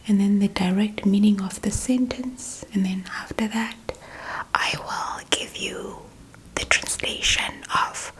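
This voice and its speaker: A woman whispers an ASMR language lesson at a very slow, unhurried pace. Her hushed voice has a gravelly, creaky edge, and she softly repeats words again and again into a close mic. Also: mid-range voice.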